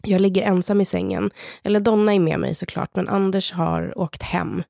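Swedish woman telling a personal story in a gravelly, mellow voice. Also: mid-range voice, fairly even intonation, no echo, clean studio sound. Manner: slow, measured, intimate telling in the present tense. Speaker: podcast co-host. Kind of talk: personal storytelling, partly read from a script.

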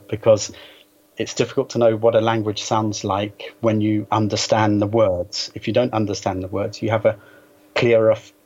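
A man speaking as an interview guest in a measured, hesitant, scholarly way, reflecting carefully on literature over an internet call. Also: on the low side, a little mellow. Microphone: Skype call. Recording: dull, noisy internet call.

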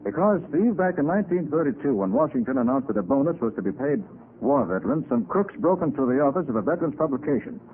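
An actor playing a brisk, confident American master detective, giving clipped deductions in a 1940s radio drama. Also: male voice, medium pitch, very animated, lightly acted. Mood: brisk, analytical. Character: brisk, sharp-eyed master private detective. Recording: muffled hissy 1940s radio recording.

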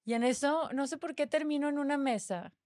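A woman's voice: sits high, fairly quick, darkish tone, dry recording, studio quality. A woman from Mexico with a Mexican accent, a podcast co-host chatting casually and telling a story full of asides. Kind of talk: casual chat.

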